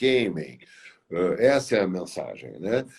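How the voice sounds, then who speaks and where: The pace is very slow, with very wide pitch swings. Vocal fry is present. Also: man. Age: 70s. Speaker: environmentalist and hospital director. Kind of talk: interview in a live stream. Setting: online live stream. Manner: halting, with many fillers.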